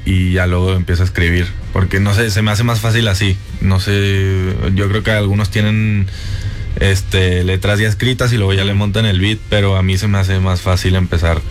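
A man's voice: low-pitched, normal speed, faint music behind. A young man who grew up in Spain, a guest musician, chatting casually and laughing easily in a radio interview. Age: young adult. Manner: relaxed, laughs easily, many fillers.

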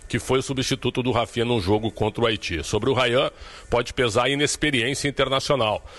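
A man with a medium-pitched voice delivers a sports report. His delivery is steady and informative. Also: a little fast. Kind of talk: read report.

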